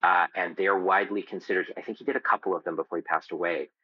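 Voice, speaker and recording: A man talking as a podcast guest in a casual, explanatory way, halting as he thinks aloud. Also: low voice, steady tone, husky, dry recording, muffled recording. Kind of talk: casual interview chat.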